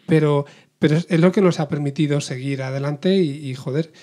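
Guy talking quick and candid on a podcast, darkish mellow tone, kinda high. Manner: candid, rambling, frequent restarts. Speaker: company co-founder. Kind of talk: emotional podcast conversation.

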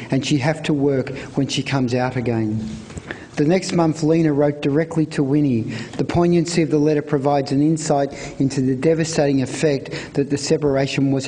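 Man, soft mellow tone, higher-set voice, measured scripted reading, live stage. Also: a little hiss or hum, poor audio. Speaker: speaker reading historical letters at a speech event.

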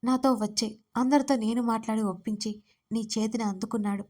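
Earnest young guy begging his love, woman reading him in an audio story, voice sits kinda high. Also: fairly even intonation, a little fast, mellow, lightly acted. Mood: pleading. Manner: earnest, pleading. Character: young man, pleading lover.

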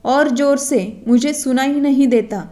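A calm elderly dance master speaking with gentle authority, voiced by a woman. The voice sits high and mellow. It is a storybook reading. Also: a little slow. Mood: insistent.

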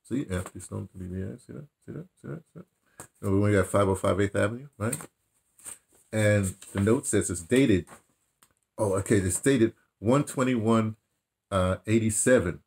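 An American man in his seventies talks in a low, husky voice. He reminisces casually about his own past, wandering from point to point and often backing up to correct himself. He is recorded indoors in a small room, a short way from the camera. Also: darkish tone. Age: 70s. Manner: halting, digressive, with repeated self-corrections. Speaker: theatre director and radio dramatist recounting his career.

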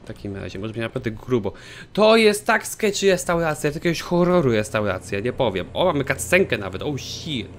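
A man giving excitable let's play commentary, swearing often as he plays. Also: medium pitch, fairly quick, slight background noise. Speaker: gaming commentator.

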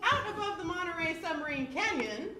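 A woman's voice: very high voice, animated, fairly quick. A woman welcoming the audience and narrating a live puppet show. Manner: welcoming, announcing. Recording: echoey hall from far off, noisy.

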